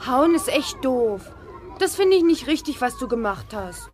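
A woman's voice: high voice, very animated, normal speed, a little mellow, husky, a faint crowd, heavily acted. A woman playing a spirited, fair-minded young schoolgirl with a girlish, pouty and earnest manner in a children's audio drama. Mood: indignant.

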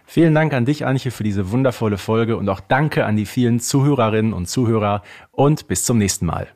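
A man's voice: mid-range voice, fairly quick, darkish tone. Man co-hosting a casual podcast. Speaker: podcast co-host. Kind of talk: casual discussion of audio drama characters.

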